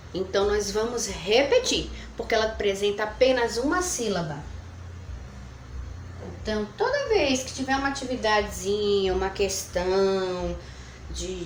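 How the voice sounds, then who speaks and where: A woman teaching a recorded review lesson to children, counting syllables slowly and using sweet diminutives. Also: a little high. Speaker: primary school teacher. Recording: echoey room, faint background noise.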